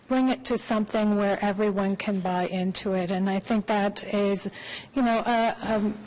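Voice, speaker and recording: A woman's voice: medium pitch, fairly even intonation, normal speed, darkish tone, rough recording. A woman speaking as a councillor, putting questions to staff in a committee meeting.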